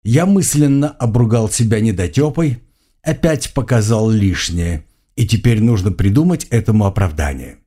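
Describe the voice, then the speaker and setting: Husky, animated male audiobook narrator. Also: fairly low pitch, normal speed. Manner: expressive, shifting voices for dialogue. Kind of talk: first-person audiobook narration.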